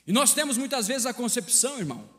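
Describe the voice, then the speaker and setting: A man with a Brazilian Portuguese accent preaching a sermon in a church, swinging between shouted climaxes and low, hushed passages in a repetitive preaching cadence. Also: very animated, fast, in a large hall. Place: church sanctuary.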